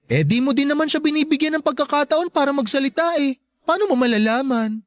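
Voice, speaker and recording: An actor playing a sassy, campy gay best friend in a Tagalog radio drama, teasing and bluntly caring, drawing out emphatic words. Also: male voice, very high-pitched, animated, quick pace, no echo, clean studio sound. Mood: blunt, encouraging.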